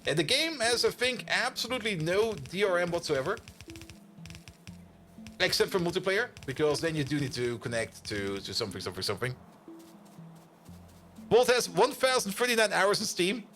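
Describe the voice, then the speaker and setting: A man live-streaming a game and chatting casually with viewers, rambling excitably and repeating his words. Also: high-pitched, moderate pace, long pauses, faint music behind. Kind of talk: casual chat with viewers while gaming.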